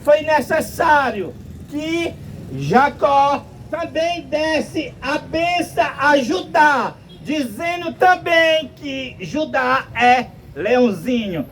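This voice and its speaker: A man from Brazil preaching a slow, emphatic street sermon outdoors, quoting scripture at length. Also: extremely high pitch, expressive, a bit bright, a little hiss or hum.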